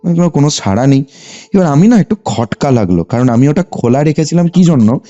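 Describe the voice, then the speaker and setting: A man's voice: fairly high pitch, a little fast. A young man with a West Bengal Bengali accent tells a personal story conversationally as a caller, often checking that his listener follows. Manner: animated telling, often seeking confirmation with short tags. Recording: muffled lo-fi phone call, music behind. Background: background music.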